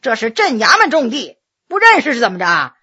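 A woman puts on a coarse male yamen runner who swears and bullies a prisoner. He barks quickly and harshly, pushing the prisoner along. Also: on the high side, huge pitch swings, sharp tone, slightly rough, full character voice. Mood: rude bullying.

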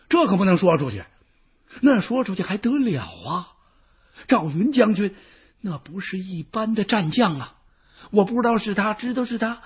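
A man's voice: high-pitched, husky, lo-fi sound, pitched above the performer's own voice, heavily acted. A man putting on a fawning, scheming court eunuch. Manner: fretful muttering, then oily coaxing.

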